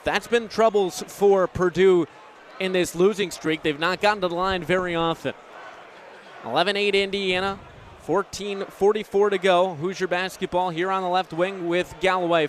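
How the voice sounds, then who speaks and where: A man's voice: high-pitched, fairly bright tone. A man in his twenties calling live basketball play-by-play. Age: 20s. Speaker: play-by-play announcer. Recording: faint crowd and gym noise behind. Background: basketball game crowd.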